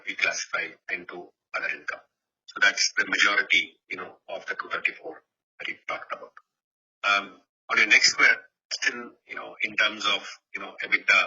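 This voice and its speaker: This man's voice sits on the low side, husky with a sharp tone. A company executive fielding analyst questions on an earnings call, he sounds hesitant and keeps dropping "you know" asides. The conference call audio is muffled and lo-fi.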